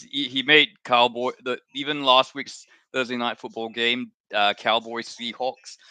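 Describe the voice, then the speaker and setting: A man's voice: mid-range voice, bright, forceful tone, clear, resonant tone, no room sound. A man from Malaysia hosting a live watchalong stream, chatting in a rambling, self-correcting way. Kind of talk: casual watchalong chat.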